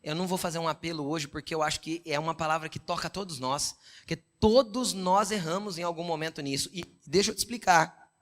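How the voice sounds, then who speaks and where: A middle-aged man with a Brazilian Portuguese accent preaches in an easy, talkative way, on the higher side of a man's pitch. He tells personal stories, acts out quoted dialogue and keeps asking the congregation whether they understand. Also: fast, a bit bright. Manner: conversational preaching with frequent "entendeu?" check-ins; storytelling, quoting God and his wife in dialogue. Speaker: pastor. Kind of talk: sermon.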